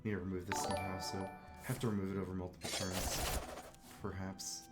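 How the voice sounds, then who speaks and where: A hoarse man with a cough, casually commenting while he streams a card game and thinks aloud about his moves. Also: low voice, flat delivery, a little fast. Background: game music.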